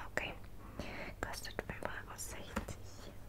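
Loud background noise surrounds a soft-spoken woman. She talks at a very slow pace. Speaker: ASMR content creator. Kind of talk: soft-spoken product show-and-tell. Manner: soft, hushed ASMR voice close to mic. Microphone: studio mic.

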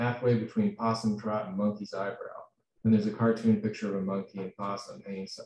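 The background is quiet. The speaker uses a natural reading voice.

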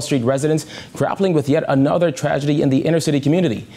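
With ordinary pitch variation, a man races along at a very fast pace. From Bahamas. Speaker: news anchor. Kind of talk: news reading. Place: studio. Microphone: lapel.

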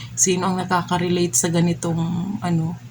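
Noticeable background noise sits behind a woman whose fairly low voice keeps a fairly even intonation. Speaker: vlogger. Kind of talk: casual vlog monologue.

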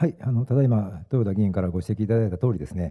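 A man's lively intonation comes through at a fairly quick pace against a quiet background. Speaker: city government department head. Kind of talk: formal official explanation. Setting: council committee room. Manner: formal. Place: meeting room. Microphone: podium.

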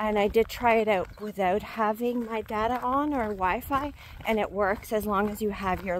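Fairly slow speech with ordinary pitch variation, a dry sound with no echo and light background noise. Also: woman. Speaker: pilgrim hiker vlogger. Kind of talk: casual vlog chat. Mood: relaxed, positive. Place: open country. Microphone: phone near.

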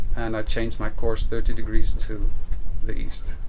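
A man talks at a moderate tempo while background noise is clearly audible. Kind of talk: interview answer. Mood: calm, reflective storytelling. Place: boat.

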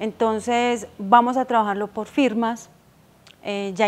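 A woman talks rather slowly, her voice sitting fairly high and shifting in pitch the usual amount. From Colombia, Antioquia (Sonsón). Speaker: mayoral candidate. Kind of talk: interview. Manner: hesitant, many fillers. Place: home room.

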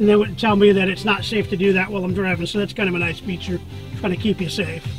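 Clear music plays in the background as a man with a high voice rushes along at a very fast pace with ordinary pitch variation. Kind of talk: tutorial. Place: car. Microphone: phone near.

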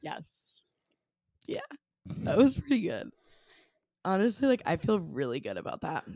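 Against a quiet background, a woman talks at a moderate pace in an animated tone with big swings in loudness and long, frequent pauses, the sound dry with no echo. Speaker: podcast host and comedic performer. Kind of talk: casual chat. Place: studio. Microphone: studio mic.

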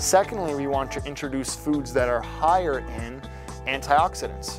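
The speaker is a man at a moderate pace. Clear music plays in the background. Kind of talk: interview answer. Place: studio. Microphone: lapel.

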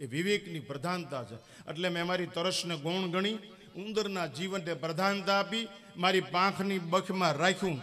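A man speaks in a high voice with ordinary pitch variation over light background noise. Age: 70s. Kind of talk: religious discourse. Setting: religious gathering with audience. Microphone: podium.

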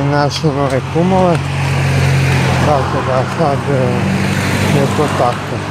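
The speech moves at a very slow pace against loud background noise. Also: dry sound with no echo. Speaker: family vlogger. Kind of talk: casual vlog chat. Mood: mildly annoyed. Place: street. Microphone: phone near.

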